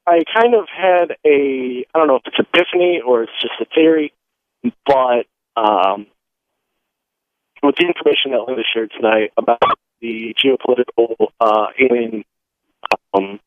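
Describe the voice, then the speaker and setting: A man from Michigan calling in to a radio talk show from his car, speaking hesitantly with many pauses and restarts over a phone line that keeps breaking up. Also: medium pitch, no echo. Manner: hesitant, halting, full of "uh" and restarts. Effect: calling on a phone while driving, line breaking up. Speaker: caller. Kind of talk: call-in radio chat.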